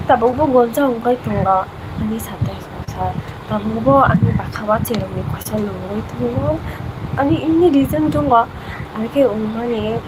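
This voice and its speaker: A woman's voice: a little high, background noise. A young woman from Bangladesh, a vlogger chatting casually on a live stream, answering viewer comments and laughing often.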